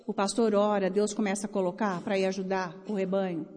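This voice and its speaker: A woman's voice: mid-range voice, little pitch movement, a little fast, darkish tone. A Brazilian woman preaching a sermon to a conference crowd, blunt and exhorting. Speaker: preacher raising offerings at a conference. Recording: long hall reverb.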